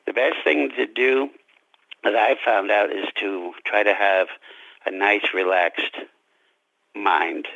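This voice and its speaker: Low, gravelly man, dull recording. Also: slow, pauses often, pushed and bright, no room sound. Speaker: writer being interviewed. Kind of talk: reflective interview conversation.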